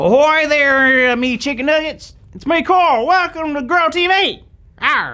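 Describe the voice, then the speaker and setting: In a put-on character voice, strained and gruff, someone speaks at a high pitch and a moderate pace. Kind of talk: jokey pirate talk.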